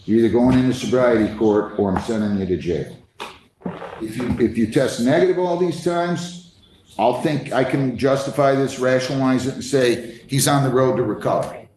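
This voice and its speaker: A man's voice: mid-range voice, moderate pace, a little mellow. A man presiding as a judge in a courtroom recording, questioning and admonishing in a blunt, plain-spoken way. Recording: echoey courtroom recording with faint noise.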